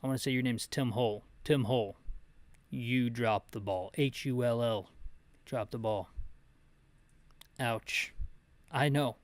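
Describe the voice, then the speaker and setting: A man's voice: medium pitch, dry recording. A man giving casual, jokey, opinionated video game commentary, rambling as he narrates the action as the host of a playthrough. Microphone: close mic, bumped now and then.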